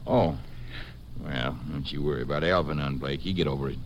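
An actor playing a folksy, reassuring rancher with an American Western drawl in a 1950s radio western. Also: male voice, a bass voice, fairly quick. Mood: soothing. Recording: noisy old 1950s radio recording.

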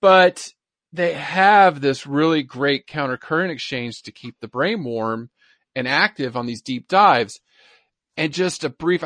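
Bright-voiced man co-hosting a casual podcast. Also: mid-range voice, dry recording. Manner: repeats himself, informal explaining. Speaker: podcast co-host. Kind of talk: casual science chat.

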